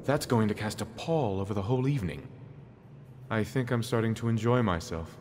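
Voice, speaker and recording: Man as a low-voiced, jaded aristocrat. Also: a little fast, a little mellow, slight background noise, close to an everyday voice. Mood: disdainful. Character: jaded, cynical male aristocratic party guest. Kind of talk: video game character dialogue.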